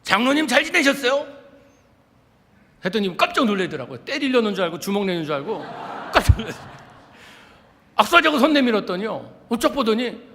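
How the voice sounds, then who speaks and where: A male pastor preaching a sermon dramatically, swinging from loud outbursts to hushed tones as he acts out prayers. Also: high-pitched. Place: church sanctuary. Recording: reverberant church sanctuary.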